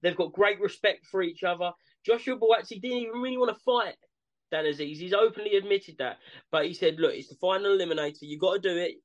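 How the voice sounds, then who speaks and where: A man with an East London accent, his voice pitched notably high for a man. He co-hosts a casual sports podcast with laid-back, matey banter. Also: quick pace, dull audio. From East London, England. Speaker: podcast co-host. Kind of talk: casual boxing podcast chat.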